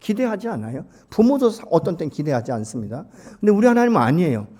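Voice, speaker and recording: A man's voice: fairly high pitch, very animated, fast, warm tone, husky. A man preaching a Sunday sermon as senior pastor, asking the congregation questions and voicing God's encouraging words. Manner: voices God's encouraging words in quoted asides. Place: church sanctuary.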